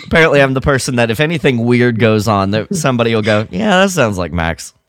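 A man with a mid-pitched, highly animated voice co-hosts a podcast. He tells stories casually, with wry amusement, in a dry recording free of room echo. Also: fast talker. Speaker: podcast co-host. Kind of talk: casual anecdotal chat.

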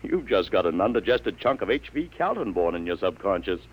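Low-voiced, swooping, bewildered father. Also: big pitch swings, poor audio. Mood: incredulous. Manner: halting, incredulous, emphatic. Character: bewildered, stern but worried father of a teenage boy. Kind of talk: 1950s radio drama acting.

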